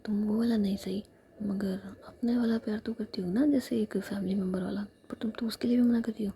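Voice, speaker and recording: A woman's voice: medium pitch, fairly even intonation, fairly quick, warm tone, lightly acted. A woman whispering the lines of a teasing, clingy young woman who keeps pleading for a kiss, in a playful, wheedling manner. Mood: hurt.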